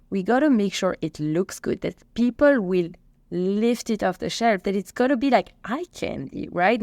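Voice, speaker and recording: A woman in her thirties from Belgium with a Belgian accent, chatty and animated as she answers interview questions. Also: medium pitch, no echo. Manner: chatty, animated storytelling with restarts. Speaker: company co-founder and CEO.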